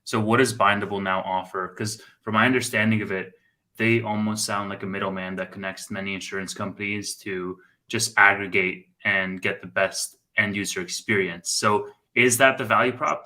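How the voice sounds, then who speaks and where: A man's voice: lowish voice, steady tone, moderate pace, bright, forceful tone. A man in his late twenties co-hosting a casual podcast, asking articulate, probing questions. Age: 20s. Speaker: podcast co-host.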